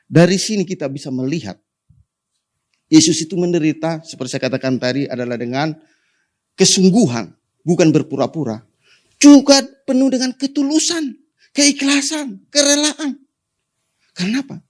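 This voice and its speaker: A pastor preaching to his congregation, often calling for amen, rising to sudden high emphatic peaks and dropping to soft endings. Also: expressive, fast talker, long pauses. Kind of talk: sermon.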